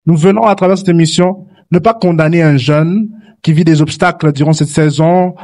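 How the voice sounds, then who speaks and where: A man's voice: a little high, darkish tone, no room sound. A man hosting a Christian youth talk show, speaking earnestly and exhorting young listeners, with many restarts. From grew up in Canada. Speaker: host.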